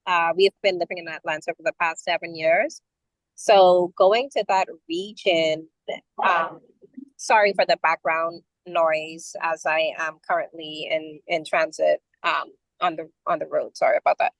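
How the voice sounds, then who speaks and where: A woman's voice: low-pitched, steady tone, unhurried, no echo, poor audio. A woman from the Bahamas, talking casually over a call from a vehicle on the road, with many fillers. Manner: conversational, with frequent fillers. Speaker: community member sharing travel experience. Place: in a moving vehicle.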